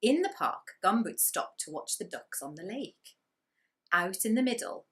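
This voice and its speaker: A woman storyteller reads for young children in a bright, fairly low voice. Her delivery is animated and expressive, leaning on key words for dramatic effect. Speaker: storyteller reading to primary school children.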